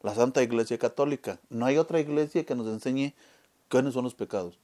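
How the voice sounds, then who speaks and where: A man's voice: mid-range voice, a little fast, dark tone. A man preaching a Catholic sermon, who keeps asking his listeners questions and answers them himself. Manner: keeps asking the audience "¿verdad?".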